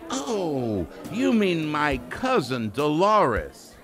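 A man's voice: a little high, wildly swooping pitch, extremely slow, fairly bright tone, exaggerated voice. A man playing a glib, mocking two-timing small-time hood in a noir radio drama. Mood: smug, evasive.

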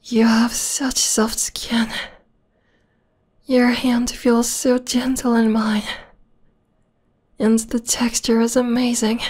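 Slow, possessive vampire girl played by a woman. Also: a little high. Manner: soft, breathy, intimate, lingering delivery with whispers. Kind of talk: ASMR roleplay.

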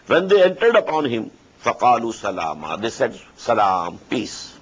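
A man in his seventies with a South Asian accent and a husky, aged voice, explaining scripture verse by verse as an Islamic scholar, phrase by phrase with emphatic pauses. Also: mid-range voice, big pitch swings, low-quality recording. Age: 70s. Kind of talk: verse-by-verse scripture commentary alternating recitation with translation. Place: indoors at a desk before curtains, recorded lecture.

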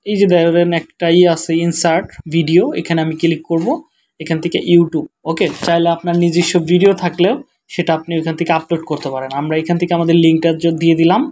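A tired man with a Bangladeshi accent, speaking quietly and slowly as he walks through a screen-share tutorial. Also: a little high, a little hiss or hum. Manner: quiet, slow, tired-sounding talk. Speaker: web developer teaching SEO.

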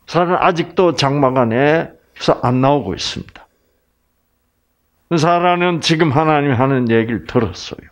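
Male Bible lecturer, high and animated, slow, teasing, quizzes the audience.

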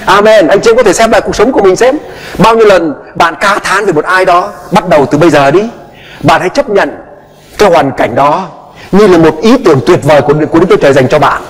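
A man's voice: high-pitched, fast talker. A male pastor preaching a sermon in a church with impassioned delivery, acting out the people in his story. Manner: impassioned, acts out quoted voices. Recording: long hall reverb.

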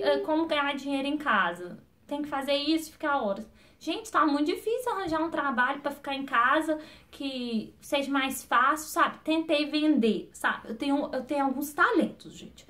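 A woman's voice: sits high, a bit bright. A woman vlogging casually to camera, rambling and jumping between topics as she talks to her viewers. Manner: chatty, quick-talking, addresses viewers directly.

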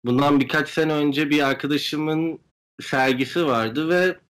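In a video call interview from an indoor room at home, a young man who is a guest artist explains his work and his views. His voice is on the high side and a bit bright, and he speaks at a measured pace into the video call microphone.

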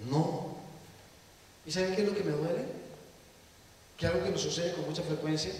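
A man's voice: high voice, a little hiss or hum. A man preaching a sermon to a live congregation, impassioned and putting questions straight to the listeners. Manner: impassioned, questions the audience directly. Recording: echoey hall, voice from a distant mic.

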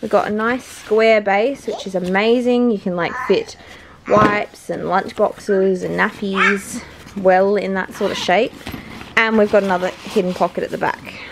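A woman's voice: mid-range voice, unhurried. A woman chatting casually at home as she reviews a product, with children nearby. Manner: chatty and relaxed, with many "like" fillers. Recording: clearly noisy home recording.

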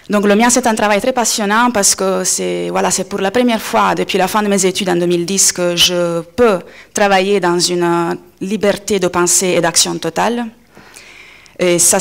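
A woman in her thirties with an Italian accent, a native Italian speaker, giving a semi-improvised conference talk with hesitant pauses and self-corrections. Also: on the low side, vocal fry. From Italy. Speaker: coordinator of a media organisation, panel speaker. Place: indoor conference panel table. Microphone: gooseneck table microphone, close.

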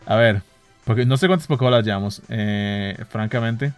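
A man with a Costa Rican Spanish accent, giving casual running commentary as he plays a phone game outdoors early in the morning. He talks excitably, swears, and laughs at himself. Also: on the low side, normal speed, clear, resonant tone, dry recording, faint music behind. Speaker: gaming vlogger. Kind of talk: casual commentary while playing. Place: outdoors walking near home in the early morning.

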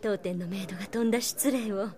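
A woman playing a polite but sly, sharp-tongued young waitress in an anime audio drama. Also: medium pitch, quick pace, close to an everyday voice. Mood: sugary, apologetic. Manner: honeyed politeness with barbed asides. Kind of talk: Japanese anime-style audio drama acting.

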